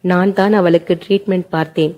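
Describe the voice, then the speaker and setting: A woman's voice: lowish voice, steady tone, a little fast, dark tone, highs cut off, lightly acted. A woman voicing a woman doctor who plainly explains what happened, in a told family story. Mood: sober.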